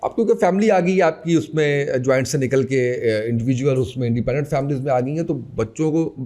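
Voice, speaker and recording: A man's voice: mid-range voice, mellow. A man hosting a podcast interview, asking long, explanatory questions. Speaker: podcast host.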